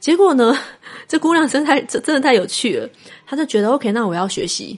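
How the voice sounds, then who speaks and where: Very fast delivery with very wide pitch swings in a Northeastern Chinese accent. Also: woman. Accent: Northeastern Mandarin. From Northeast China. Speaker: psychological counselor and career planner. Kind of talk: casual interview.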